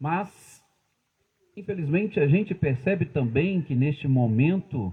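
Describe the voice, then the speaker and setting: Pitch swings very widely as a man speaks fairly slowly. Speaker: spiritist talk speaker. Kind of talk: religious talk. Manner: loud.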